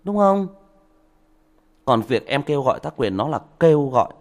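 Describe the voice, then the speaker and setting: A man lecturing a commenter during a livestream, sarcastic and scolding, with sudden loud outbursts. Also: medium pitch, fast. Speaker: livestream story reader addressing a commenter. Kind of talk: livestream rant.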